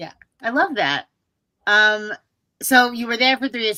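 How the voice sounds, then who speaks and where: Here is a woman's voice. Its tone is bright, sharp and animated. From Jamaica. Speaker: podcast host. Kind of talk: interview.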